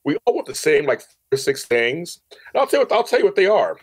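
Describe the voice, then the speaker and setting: A man in his fifties with an American accent talks as an interview guest. His delivery is loose, joking and conversational, with very lively intonation and a dry, close sound. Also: on the high side, quick pace, no room sound. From Los Angeles, United States. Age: 50s. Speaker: podcast guest. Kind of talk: casual interview chat.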